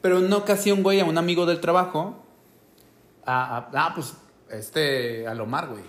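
A man's voice: on the high side, fairly even intonation, moderate pace, roomy sound. A man from Oaxaca with a Mexican Spanish accent, chatting casually on a podcast in a slangy way. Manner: slangy, peppers talk with "güey". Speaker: podcast host.

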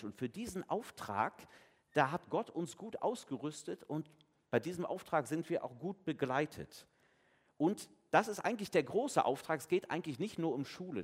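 Man, pastor, family sermon, animated delivery, chatty, long church reverb. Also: medium pitch. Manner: lively, conversational, acts out voices in retold dialogue.

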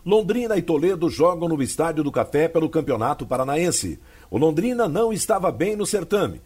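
Male Brazilian radio narrator for sports history, raspy, high and lively. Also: brisk.

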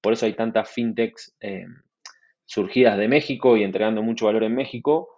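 A man's voice: fairly low pitch, a little fast, muffled recording. A man from Argentina with an Argentine accent, a startup manager talking easily as an interview guest with many restarts. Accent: Argentine Spanish. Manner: relaxed, fluent, many restarts and fillers. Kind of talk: conversational interview.

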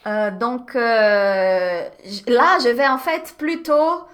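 A chatty woman from Brazil with a Brazilian Portuguese accent, her voice sitting a little higher than most. She talks expressively and often restarts her sentences as she goes, in a relaxed podcast chat. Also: extremely slow. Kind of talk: casual conversation.

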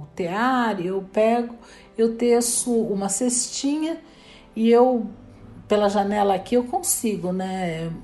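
A woman voicing a gentle, anxious young queen who is a mother, speaking softly and low. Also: close to an everyday voice. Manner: soft, worried, low.

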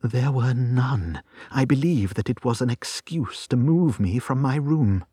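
A man voicing an anxious, eager young gentlewoman in an audiobook story, with an earnest, urgent manner. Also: mid-range voice, animated, a little slow, husky, no echo, studio quality. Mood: composed.

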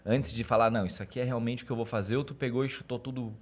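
Male host, husky voice, casual, slangy, jokey. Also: mid-range voice, fairly even intonation, rapid-fire. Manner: jokey, slangy, asks questions. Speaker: podcast host. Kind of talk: casual podcast chat.

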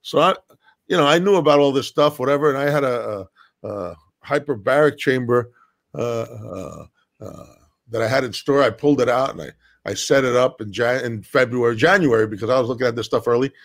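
A man's voice: medium pitch, a little fast, vocal fry. Blunt, profane man telling a story. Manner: many fillers and restarts. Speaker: podcast guest. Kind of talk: casual chat.

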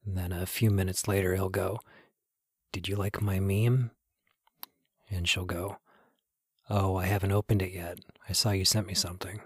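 Low, husky male actor as slow storyteller. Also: flat delivery, clean studio sound. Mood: wry, measured. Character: wry, measured storyteller of small-town lives. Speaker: narrator. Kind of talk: literary scripted narration in an audio drama podcast. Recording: roomy, faint music behind.

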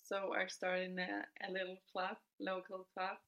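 A woman in her twenties from Denmark, telling her story as a guest in a podcast interview, relaxed and thoughtful. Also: medium pitch, moderate pace, vocal fry, muffled recording. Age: 20s. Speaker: guest footballer.

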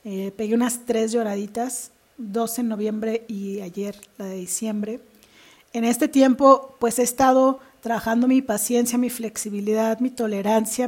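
Hosting a podcast as an executive coach, a woman with a Mexican Spanish accent talks in a chatty, confessional monologue and laughs often. Her voice is fairly high-pitched with a darkish tone.

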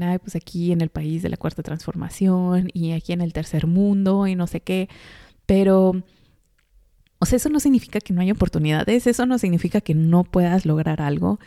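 Young Mexican-accented woman, podcast host, fairly low, mellow voice, casual rambling monologue. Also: no echo, clean studio sound. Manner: chatty, rambling with many fillers and laughs. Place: home in Chicago.

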